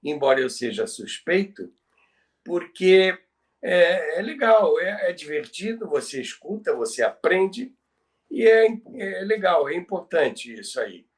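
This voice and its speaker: A man's voice: high voice, sing-song, measured pace. An older Brazilian man co-hosting a conversational talk on history, explaining in an emphatic, didactic way and repeating phrases. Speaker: co-host, former radio professional. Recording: distant from the microphone.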